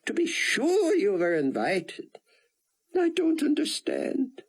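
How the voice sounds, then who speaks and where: A man voicing an exuberant elderly male scientist with a thick Israeli accent, in a high, lively voice. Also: takes it slowly, creaky, slightly rough, full character voice. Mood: earnest.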